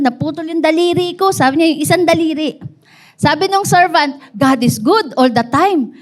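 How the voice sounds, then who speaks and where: A woman pastor with a Filipino accent preaching a sermon, mixing Tagalog and English, telling a story with call-and-response to the congregation. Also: very high voice.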